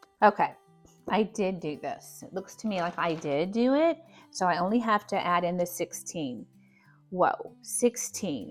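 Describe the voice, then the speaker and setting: A woman's fairly slow speech with lively intonation and big swings in loudness, music playing in the background. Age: 60s. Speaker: budgeting YouTuber. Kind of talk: casual talk to camera.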